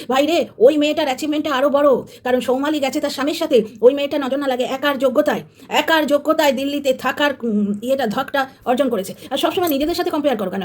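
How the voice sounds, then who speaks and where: A woman's voice: high voice, darkish tone. A woman hosting a commentary channel, delivering a combative, sarcastic monologue that speaks straight to her viewers.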